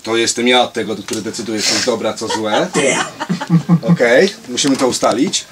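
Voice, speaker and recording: A man directing actors in a recording studio, briskly counting in takes and joking. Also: mid-range voice, noisy background. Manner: brisk, joking, giving cues. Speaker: audiobook director. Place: studio control room.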